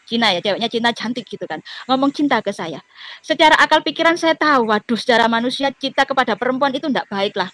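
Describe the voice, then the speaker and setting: A woman's voice: a little high, lively intonation, fast, fairly bright tone, dry recording. A woman with a Javanese accent giving a personal testimony on a video call, telling her story in a chatty way with many fillers.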